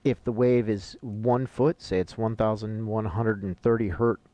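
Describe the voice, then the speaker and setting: A man's voice: lowish voice, fairly even intonation, unhurried, mellow, no room sound. A middle-aged man, an instructor explaining technical material informally and step by step, as if thinking aloud. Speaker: audio-visual instructor. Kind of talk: informal instructional explanation while annotating charts.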